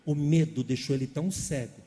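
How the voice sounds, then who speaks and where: A man preaches with animated energy and keeps calling out questions to his congregation. His voice sits a little high but sounds warm and mellow. A long reverb from the church hall trails behind each phrase. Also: fairly quick. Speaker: pastor. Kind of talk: sermon.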